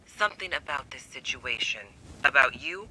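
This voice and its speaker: A man's voice: medium pitch, expressive, moderate pace, bright, forceful tone, a little hiss or hum, rough recording. An actor playing a defiant, suspicious man in hiding in a video game, taunting and sardonic. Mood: mocking, distrustful.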